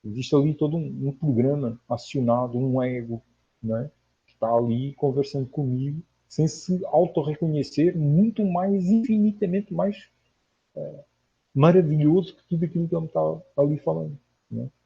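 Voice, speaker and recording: Speaking at a moderate pace in a fairly high, gravelly voice with a breathy edge, a man from Portugal hosts a casual livestream answering viewers' comments. He is an online spiritual lecturer with a Portuguese accent, earnest in tone and fond of emphatic repetition, heard over lo-fi audio.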